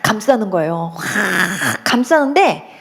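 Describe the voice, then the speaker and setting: A woman's voice: medium pitch, big pitch swings, measured pace, gravelly, fairly bright tone. A woman pastor telling her conversion testimony in a sermon, acting out her own past pleading prayers with strong emotion.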